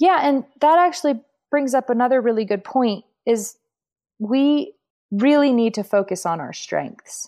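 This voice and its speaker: A woman speaks at a moderate pace with lively intonation and a dark, mellow tone, on a very clean recording with a silent background. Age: 30s. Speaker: retired pro skier. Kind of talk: interview.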